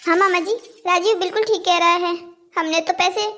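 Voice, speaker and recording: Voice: very high-pitched, steady tone, a little fast, sharp tone, a little hiss or hum. A performer voicing a cheeky, childish boy who pleads and argues brazenly in a cartoon moral story. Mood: pleading. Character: cheeky, childish cartoon boys making earnest excuses.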